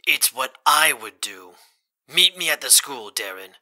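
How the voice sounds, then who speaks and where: Audio drama young tycoon acted by a man: cold, guarded, clipped orders, very tense bright tone. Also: medium pitch, animated, measured pace. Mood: cold urgency. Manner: terse, authoritative. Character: cold, commanding young businessman, guarded and self-assured.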